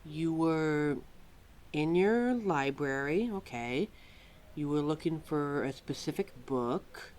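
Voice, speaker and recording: A woman's voice: low voice, animated, slow, darkish tone, a little hiss or hum. A woman playing a scatterbrained, centuries-old keeper of forgotten lore in a roleplay audio drama, flustered and hesitant as she talks to a listener. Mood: flustered, curious.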